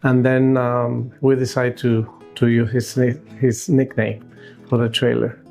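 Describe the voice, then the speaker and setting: A man in his sixties from Cuba with a Cuban accent and Spanish as his first language, answering interview questions casually and haltingly as a food truck owner. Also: mid-range voice, level tone, creaky, a little mellow, faint music behind. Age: 60s. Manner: halting, searching for words.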